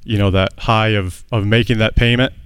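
A man's voice: fairly low pitch, steady tone, normal speed, clean tone, no room sound. A man in his thirties, a guest on a radio show, telling his debt-payoff story in an earnest, plain-spoken way. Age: 30s.

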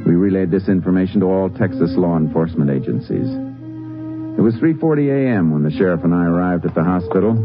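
An actor playing a steady Texas Ranger in a 1950s radio drama, terse and methodical, narrating and questioning in a matter-of-fact way. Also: male voice, low voice, quick pace. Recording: dull old 1950s radio recording, music.

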